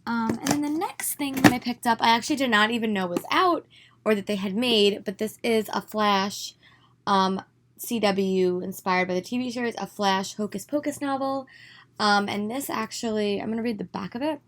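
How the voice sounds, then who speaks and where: A young woman with a slightly hoarse, congested voice, chatting about what she bought in a casual video from her room at home. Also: mid-range voice, normal speed. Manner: chatty, enthusiastic, many "um"s. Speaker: book vlogger.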